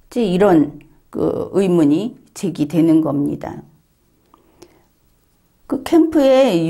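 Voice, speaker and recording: Slow, mellow-voiced woman commentator. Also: medium pitch. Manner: measured and explanatory, with frequent hesitation fillers; retells an interview exchange step by step. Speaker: legal and political commentator. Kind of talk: solo commentary monologue.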